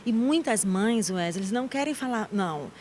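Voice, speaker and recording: A woman's voice: mid-range voice, lively intonation, moderate pace, a little mellow, slight background noise. A Brazilian woman journalist in her thirties, a guest in a TV studio interview, talking firmly and emphatically. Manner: firm, emphatic, outspoken.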